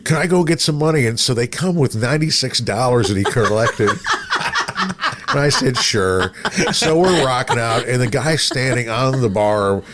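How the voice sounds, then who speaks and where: A man's voice: medium pitch, expressive, normal speed, heavy background noise. A middle-aged American man, a radio host, chatting casually in a rambling storytelling way and acting out what people said. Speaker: radio show host and broadcaster. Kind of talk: casual anecdotal chat.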